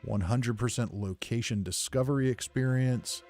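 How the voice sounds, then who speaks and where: Male let's-play narrator: relaxed dark tone, easygoing, thinks aloud, soft music underneath. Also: medium pitch, moderate pace. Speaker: gamer narrating playthrough. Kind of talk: casual game commentary.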